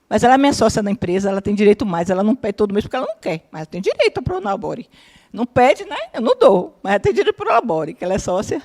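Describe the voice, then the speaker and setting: A woman around fifty gives a spiritist lesson in front of a live audience and draws on her own family stories. Her voice sits a little high and swings widely as she checks in with her listeners and acts out what her relatives said. She speaks like a psychologist who teaches. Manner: lively, keeps checking in with listeners, acts out quoted family members. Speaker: spiritist course lecturer and psychologist. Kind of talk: lecture with personal stories. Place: lecture room with a live audience.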